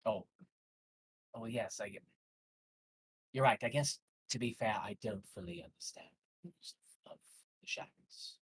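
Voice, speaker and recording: A man's voice: fairly low pitch, measured pace, pauses often, slightly rough, rough recording. A man playing a tabletop game, earnestly reasoning in character. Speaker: player.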